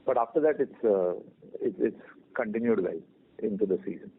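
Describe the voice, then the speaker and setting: A man with an Indian accent, an executive answering questions in a measured, deliberate way over a narrow phone line. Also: fairly low pitch, expressive, slightly rough. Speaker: company executive.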